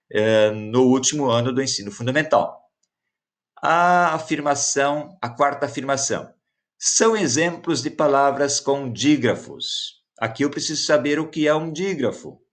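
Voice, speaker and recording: A man's voice: medium pitch, fairly bright tone. A man teaching a lesson, explaining exam questions step by step with frequent checking questions. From Brazil. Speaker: Portuguese teacher.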